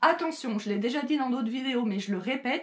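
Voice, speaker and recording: Amid noticeable background noise, a woman talks at a fairly quick pace with a high pitch and ordinary pitch variation. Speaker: childminder and vlogger. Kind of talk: tutorial. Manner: fast.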